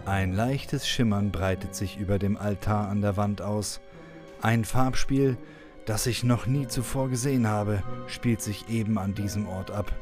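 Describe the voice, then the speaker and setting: Low-voiced man narrating an audio drama. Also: a little slow. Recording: music bed behind the voice.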